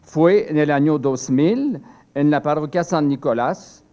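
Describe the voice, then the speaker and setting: A somewhat high, mellow male voice belongs to an older French-speaking priest giving a seminar talk from a script. He proceeds slowly, stumbling with frequent pauses and restarts.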